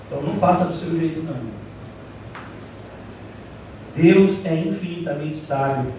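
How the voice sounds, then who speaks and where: A man preaching a sermon as pastor, animated, mimicking the voices of doubters, recorded in a church hall from a distance. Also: on the high side, measured pace, slight background noise. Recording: echoey hall, heard from a distance.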